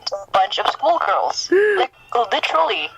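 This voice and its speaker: A woman guest in a casual fan chat, talking in a gushing, excitable and informal way. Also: mid-range voice, moderate pace, creaky, over music, low-quality recording. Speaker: podcast guest, fan fiction writer.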